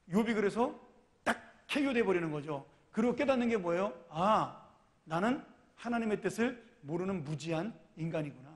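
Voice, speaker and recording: A male pastor preaching a sermon in a chatty way, full of rhetorical questions, in a church. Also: high voice. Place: church sanctuary. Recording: church hall reverb.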